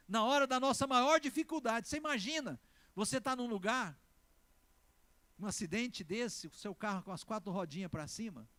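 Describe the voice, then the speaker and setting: Emphatic Brazilian pastor with a high voice. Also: male voice. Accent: Brazilian Portuguese. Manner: emphatic, swings between loud exclamations and slow stressed words; asks the congregation for responses. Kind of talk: sermon.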